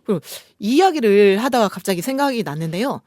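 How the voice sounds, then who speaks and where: A woman's voice: medium pitch, animated, quick pace, a little mellow, dry recording, clean studio sound. A woman co-hosting a radio show, reading poems expressively and chatting politely and reflectively about books. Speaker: radio co-host. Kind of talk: scripted poem reading and relaxed book chat.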